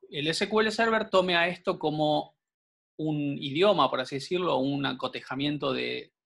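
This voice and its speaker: A man's voice: fairly high pitch, a bit bright. Patient man teaching a coding class. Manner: patient, explanatory, frequent check-ins with students. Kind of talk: online programming class.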